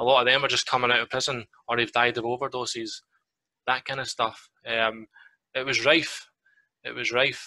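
A man with a Scottish accent speaks at a moderate pace in a flat monotone with a bright, sharp tone, leaving long, frequent pauses, in a dry recording with no echo and a quiet background. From Scotland. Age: 30s. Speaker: author and mental health advocate; panel contributor with lived experience. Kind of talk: personal testimony. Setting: video call. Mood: earnest, serious. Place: home room.

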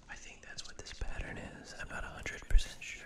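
A man is whispering. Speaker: ASMR creator. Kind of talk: ASMR sound design session. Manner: whispered. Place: home room. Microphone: studio mic.

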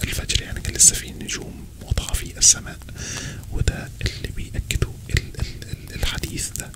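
A soft-spoken man whispers at a moderate pace. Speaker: ASMR storyteller. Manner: soft ASMR whisper close to mic. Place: home room. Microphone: studio mic.

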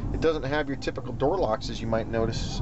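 Despite loud background noise, the dry sound has no echo as a man talks at a moderate pace with ordinary pitch variation. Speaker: car owner reviewer. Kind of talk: casual review commentary. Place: car.

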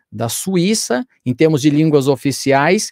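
A man with a fairly high voice and ordinary pitch variation is heard against a quiet background in a dry sound with no echo. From Brazil. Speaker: missionary pastor. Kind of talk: casual interview. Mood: calm, reflective. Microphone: studio mic.

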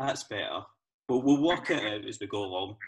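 Against a quiet background, a man with a Scottish accent talks with ordinary pitch variation. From Scotland. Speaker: spoken word poet. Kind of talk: introducing a poem at an online gig. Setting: online video gig. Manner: casual, playful. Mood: playful, warm. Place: home room. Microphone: video call.

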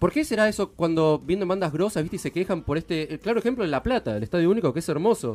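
A man's high-pitched, very fast delivery with lively intonation and hardly any pauses. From Quilmes, Greater Buenos Aires, Argentina; Buenos Aires. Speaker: online radio host. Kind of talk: radio interview. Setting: radio studio. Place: studio.

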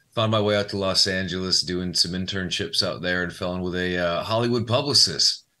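A man with an American accent speaks at a fairly quick pace with hardly any pauses, using a very deep, low pitch, a bright, sharp tone and ordinary pitch variation. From upstate New York, near Albany; upstate New York. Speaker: actor. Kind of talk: casual interview. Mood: relaxed, good-humored. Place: home room. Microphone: webcam.

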